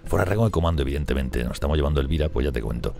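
A man commenting on a strategy game he is playing, talking fast and excitably, swearing and laughing often. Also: a bass voice, gravelly, soft background music. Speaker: gameplay streamer.

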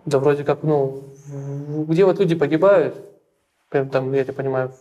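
Young man, dark mellow voice, halting. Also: a little high, fairly even intonation, highs cut off. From Russia. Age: young adult. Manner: halting, repeats words, many fillers. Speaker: interviewee. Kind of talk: interview. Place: small plain room indoors.

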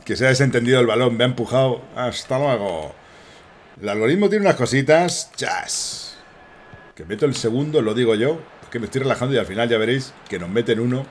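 Spain Spanish male streamer, mid-pitched, cracking jokes over live gameplay. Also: quick pace, a little hiss or hum. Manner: joking, excitable, swearing banter. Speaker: gaming streamer.

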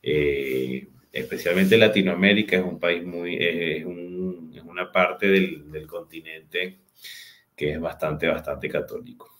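A man in his forties with a Venezuelan accent, telling his life story as a guest on a video call, unhurried and full of hesitant fillers. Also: deep voice, a bit bright. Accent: Venezuelan Spanish. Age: 40s. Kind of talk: personal storytelling in an interview. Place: home room with a large window. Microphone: video call webcam.

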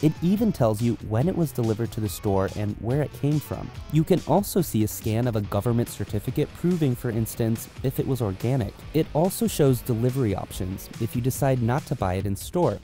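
A man narrating a scripted news voice-over in a smooth, lively way. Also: medium pitch, fairly quick, hardly any pauses. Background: soft background music.

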